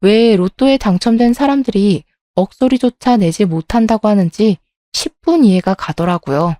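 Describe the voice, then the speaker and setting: Dark-voiced woman narrating a story. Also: medium pitch, moderate pace, no echo, clean studio sound. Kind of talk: scripted first-person story narration.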